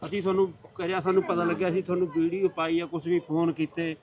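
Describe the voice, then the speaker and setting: A man's voice: a little high, flat delivery, fast talker, a crowd in the background. A local man who reported the case, explaining it plainly and earnestly outdoors by a roadside. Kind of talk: explaining on camera.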